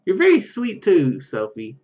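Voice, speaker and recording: Guy reading unsure young game hero, earnest, halting, voice on the high side, bit muffled. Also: wildly swooping pitch, darkish tone, heavily acted. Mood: tender, earnest. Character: young male accidental hero, unsure and sincere.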